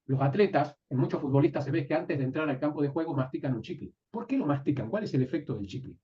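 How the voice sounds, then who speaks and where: A man teaching a live class, often pausing to ask his students whether they follow. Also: on the high side, animated. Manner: asks the class frequent checking questions. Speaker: NLP teacher. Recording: distant, dull lo-fi room recording.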